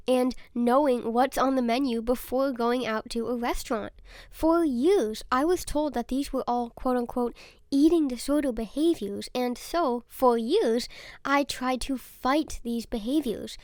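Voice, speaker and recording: A young woman in her twenties hosting a solo podcast, talking earnestly and openly about herself, a little raspy and congested from a sore throat and stuffy nose. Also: high voice, darkish tone, no room sound. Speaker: podcast host.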